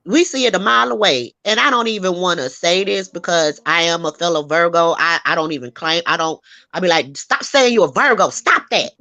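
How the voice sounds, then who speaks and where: Sassy, animated woman hosting a gossip show. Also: lowish voice, brisk, no echo. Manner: animated, sassy, emphatic, laughs often. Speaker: host. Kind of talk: casual gossip chat.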